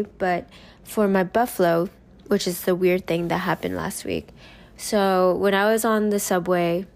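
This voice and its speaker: A woman's voice: medium pitch, darkish tone. A young woman hosting a casual solo podcast, chatting in an upbeat, rambling way while still getting over a cold. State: recovering from a cold. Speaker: podcast host.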